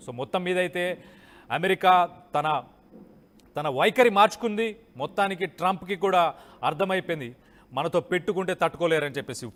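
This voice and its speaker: A male news presenter with a Telugu accent speaks in a notably high voice. His commentary is emphatic, driving points home through repetition. The sound carries a long, hall-like reverb. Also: a bit bright. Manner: emphatic, repeats phrases for stress. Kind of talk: live news commentary, explaining and opining.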